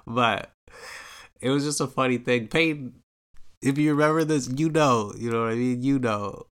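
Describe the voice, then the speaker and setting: A man's voice: medium pitch, normal speed, a bit bright, clear, resonant tone. A young man from Canada, hosting a podcast and telling a rambling personal story, full of filler tags and swearing, acting out what people said. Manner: acts out quoted voices animatedly. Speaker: podcast host. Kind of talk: casual storytelling monologue.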